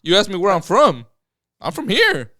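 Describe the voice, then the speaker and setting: A man's voice: sits high, wildly swooping pitch, normal speed, bright, forceful tone, dry recording, clean studio sound. A man from Houston, co-hosting a podcast, arguing in casual chat and swearing a lot. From Houston, Texas. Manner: argumentative, heavy swearing. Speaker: podcast co-host.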